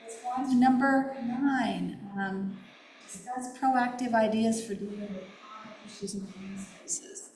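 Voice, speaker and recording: A woman chairing a committee meeting over a video call. She talks quietly and haltingly, with many fillers. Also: on the high side, vocal fry. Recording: echoey room, faint noise.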